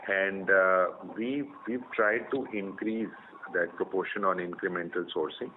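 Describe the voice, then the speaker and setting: A man with an Indian accent, a company executive explaining results in a measured way on an earnings call. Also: deep voice, fairly even intonation. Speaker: company executive answering analysts. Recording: narrow phone line with faint noise.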